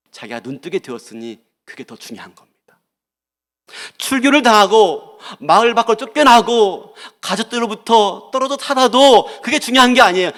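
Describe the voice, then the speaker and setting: A man, a pastor, preaching a sermon in an animated way, asking rhetorical questions and acting out quotes. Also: high-pitched, in a large hall. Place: church sanctuary.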